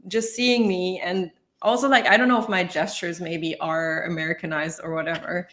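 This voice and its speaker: A woman's voice: fairly low pitch, normal speed. Laughing, candid woman from the Philippines. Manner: laughs often, animated and candid. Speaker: actor and filmmaker guest. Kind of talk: casual interview chat. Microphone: video call.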